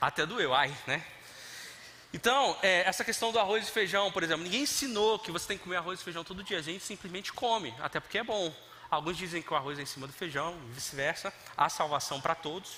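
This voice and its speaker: Pitched high, a man talks fairly quickly in an animated tone with lively intonation. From Brazil, Rio de Janeiro. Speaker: pastor. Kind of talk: sermon. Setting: church service with audience.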